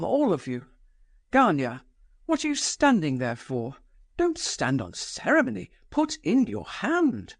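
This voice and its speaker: A woman's voice: no echo, clean studio sound, exaggerated voice. A man voicing an imperious, scornful young woman. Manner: imperious, taunting, shrill bursts. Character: proud, reckless young woman, scornful and commanding.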